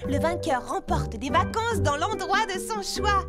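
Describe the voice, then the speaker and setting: A woman voicing a kind, enterprising young girl in a French-dubbed children's cartoon, earnest and expressive. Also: very high voice, unhurried, loud music behind the voice. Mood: confident.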